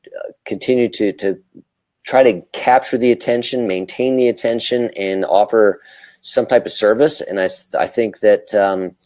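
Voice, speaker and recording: A man's voice: lowish voice, a little mellow, dry recording. A man co-hosting a talk show, giving casual commentary in a hesitant, stammering, tentative way.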